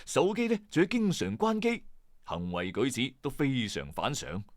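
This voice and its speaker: A man's voice: medium pitch, huge pitch swings, normal speed, no echo, clean studio sound. A man with a Hong Kong Cantonese accent narrating a scripted mystery story in a conversational, suspenseful way, as a storytelling host. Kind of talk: dramatic scripted true-crime and mystery narration.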